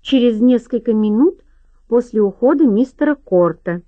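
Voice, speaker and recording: A woman doing a high, flirtatious ex-actress. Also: animated, moderate pace, dry recording, lightly acted. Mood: eager, nervous. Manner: high, eager, metallic tone. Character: nervous, flirtatious former actress, middle-aged woman. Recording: dry, slightly dull audiobook recording.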